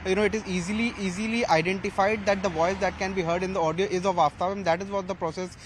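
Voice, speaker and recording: A man gives a live field report in Indian English. His voice is notably high for a man, and he speaks haltingly, repeating phrases. Faint outdoor city noise sits behind him. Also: fairly even intonation, low-quality recording. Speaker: news reporter.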